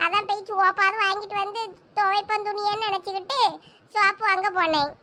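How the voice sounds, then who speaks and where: A woman voicing a talkative, nosy village woman in an animated comedy. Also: very high voice, fairly quick. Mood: chatty. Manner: gossipy, rambling.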